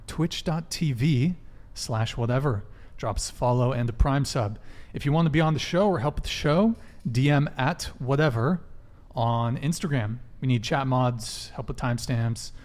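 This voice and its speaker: A man's voice: medium pitch, a little mellow. A man hosting a live podcast, rattling off announcements in a brash, joking manner from a studio table. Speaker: podcast host.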